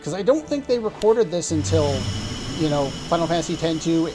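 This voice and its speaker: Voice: medium pitch, animated, brisk, poor audio. A video host giving casual reaction commentary. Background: music from the drama being watched.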